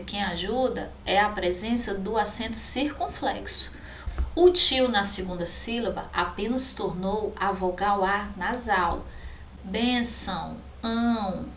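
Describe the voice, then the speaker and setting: A woman teacher with a Brazilian accent explaining a lesson, slowly stressing each example word. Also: mid-range voice, a bit bright. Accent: Brazilian Portuguese. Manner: slow, careful, stretches example words. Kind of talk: recorded online class. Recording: echoey room with faint noise.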